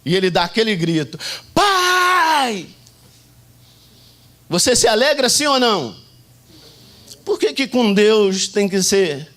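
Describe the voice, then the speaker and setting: A Brazilian man preaching a Sunday sermon, telling stories and acting out shouts and prayers as he goes. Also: high voice, normal speed. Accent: Brazilian Portuguese. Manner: animated storytelling, acting out shouts and quoted prayers. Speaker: pastor.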